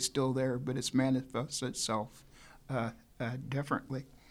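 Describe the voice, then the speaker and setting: On a very clean recording with a silent background, a man with an American accent speaks at a moderate pace and medium pitch in a monotone, flat intonation. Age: 80s. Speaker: professor and former FCC official. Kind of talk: interview.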